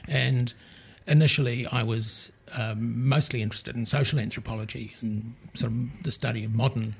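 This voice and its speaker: Gravelly older male archaeologist. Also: mid-range voice, fairly even intonation, moderate pace. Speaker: archaeologist guest. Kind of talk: interview answers. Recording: faint background noise.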